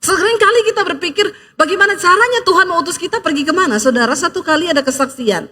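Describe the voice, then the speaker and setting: Speaking quickly at an extremely high pitch, a woman pastor delivers an animated sermon full of stories, where she performs the voices of those she quotes and adds playful jokes.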